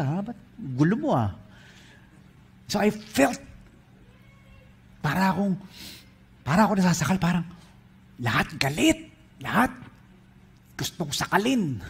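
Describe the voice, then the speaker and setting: A man with a Filipino accent preaching a sermon, telling stories in an animated way while switching between English and Filipino. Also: on the high side, slightly rough.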